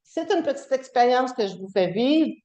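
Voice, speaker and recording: This time her voice is high and her pace moderate, with dull audio in an echoey room. She is a middle-aged guest lecturer, Québécois French accent, giving a university classroom lecture in a mellow, relaxed, chatty way, with lots of fillers and restarted sentences.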